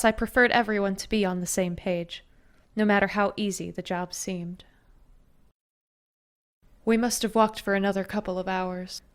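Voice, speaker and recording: A woman narrating a first-person fantasy story in a steady, even storytelling manner. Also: medium pitch.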